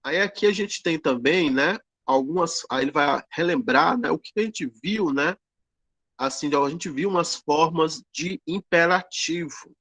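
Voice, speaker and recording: Man teaching a slow online lesson. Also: a little high, a bit bright, no room sound. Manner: explains slowly, many fillers and tag questions. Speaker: Greek teacher.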